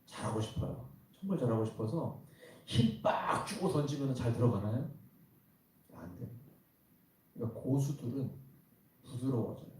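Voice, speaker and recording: Guy preaching a sermon, warm low-key voice, big echoey church sound. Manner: conversational preaching with rhetorical questions to the congregation. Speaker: pastor. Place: church worship hall. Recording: very echoey hall, voice from some distance.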